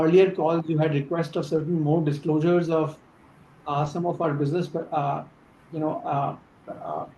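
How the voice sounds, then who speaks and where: A muffled, roomy recording with some background noise carries an Indian man presenting on an earnings call. His voice is soft-edged and mellow, and he phrases things in a measured, halting way as a company executive. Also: fairly high pitch.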